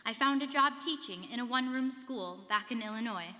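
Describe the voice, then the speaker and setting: A woman's voice: a little high, fairly quick, bright, forceful tone. A young woman, a student performer, reciting an earnest first-person life story in a rehearsed stage reading. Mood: earnest recollection. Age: young adult. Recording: live reading in reverberant hall.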